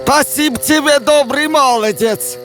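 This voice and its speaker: Cunning fairy-tale wanderer, high-pitched and unhurried, folksy cartoon delivery over light music. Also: male voice. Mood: friendly, knowing. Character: sly wanderer in a folktale, feigning friendliness. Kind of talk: animated fairy-tale film acting.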